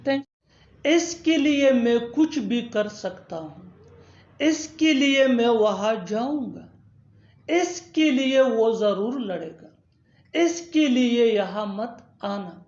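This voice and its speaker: A woman teaching English grammar in a scripted lesson, saying each English example slowly and then repeating it. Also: a little high, darkish tone, reverberant, lo-fi sound.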